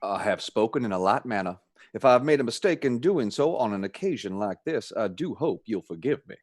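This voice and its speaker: An actor playing a jolly, gallant young Texan suitor in a radio play, with a folksy, earnest drawl. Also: male voice, fairly low pitch, animated, fairly quick, no echo, studio quality. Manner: folksy drawl with American slang.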